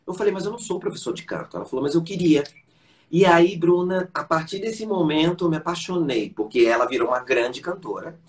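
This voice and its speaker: Telling stories as an interview guest on a live stream, this man, a conductor and voice teacher, speaks a little fast in a fairly high voice. He's lively throughout and imitates each person he quotes.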